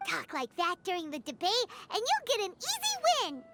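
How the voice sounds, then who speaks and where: A tiny fairy-like girl companion, squeaky and bouncy, her voice leaping wildly high and low. She chirps eagerly, with game music swelling behind her. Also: wildly swooping pitch, moderate pace, full character voice. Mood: cheering.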